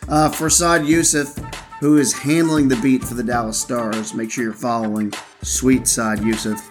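A man's voice: medium pitch, normal speed, faint music behind. A man hosting a sports podcast, chatting casually with cohosts and signing off the show with plenty of fillers. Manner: relaxed, filler-heavy sign-off. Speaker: podcast host.

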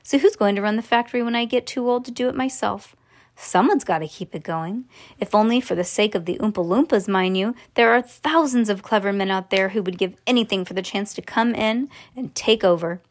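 A woman voicing an excitable, grand elderly male candy factory owner from a storybook, with an emphatic manner. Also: mid-range voice, brisk, lightly acted. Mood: earnest, confiding. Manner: emphatic, exclamatory.

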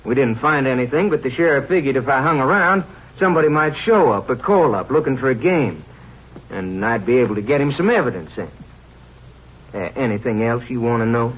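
A man's voice: mid-range voice, expressive, brisk, close to an everyday voice. An actor playing an evasive, crooked small-town lawman with a folksy, offhand, clipped manner, in 1950s radio drama style. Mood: defensive. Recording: dull, noisy vintage 1950s radio recording.

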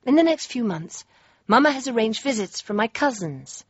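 A young actress playing an earnest, spirited princess, with a crisp, refined way of speaking. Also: female voice, a little high, sing-song, moderate pace, no echo. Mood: reflective. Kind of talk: period drama acting and diary narration. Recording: dull dry lo-fi with faint music.

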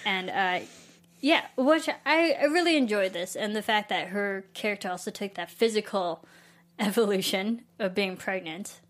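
A woman co-hosting a casual film discussion, chatty, often trailing off and restarting, quick to laugh. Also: medium pitch. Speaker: podcast co-host.

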